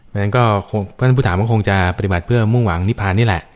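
Brief: male monk guest on a radio Dhamma show, fairly low voice, patient and explanatory, peppered with soft fillers. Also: rapid-fire. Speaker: Buddhist monk. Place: radio studio.

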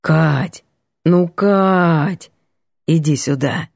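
A laid-back, teasing young man, as a woman reading a story puts him on. His voice sits low and a little husky, with an easy, playful lilt. It is recorded dry and close. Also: drawn-out words, a little mellow, no echo, full character voice. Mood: soothing. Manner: soothing, playful. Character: easygoing, teasing young man, the heroine's friend.

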